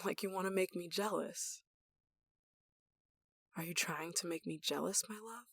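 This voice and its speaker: Female actor as obsessive yandere coworker-lover. Intimate ASMR drama, sweetly threatening, breathy delivery, very dry close sound. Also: on the low side, normal speed, no room sound. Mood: intimate, seductive. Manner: breathy sighs and chuckles, dropping to whispers. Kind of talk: intimate ASMR roleplay acting.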